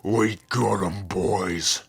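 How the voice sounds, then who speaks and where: A man voicing a scheming, mocking older orc chieftain with a rough, gravelly voice, theatrical and boastful, in an ASMR roleplay. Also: low voice, extremely slow, exaggerated voice. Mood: smug, gloating.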